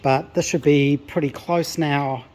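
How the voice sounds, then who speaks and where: A slightly hoarse, somewhat breathless man explaining his car restoration work in a home workshop, in a relaxed way with many pauses and restarts. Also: a little high, slight background noise. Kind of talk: casual workshop walkthrough.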